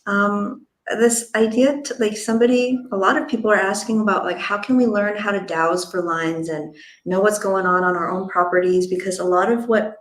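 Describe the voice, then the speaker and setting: A woman's voice: medium pitch, fairly even intonation, normal speed, reverberant, low-quality recording. A woman hosting a spiritual interview, speaking in a casual, gushing way peppered with "like" and "you know". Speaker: interview host.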